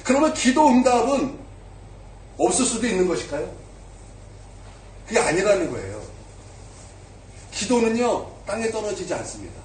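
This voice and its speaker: Pastor guy telling a story in his sermon, acts out the voices, high lively voice, echoey church from a distance. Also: moderate pace, long pauses, a little hiss or hum. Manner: storytelling, acting out quoted voices; asks the congregation questions. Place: church sanctuary.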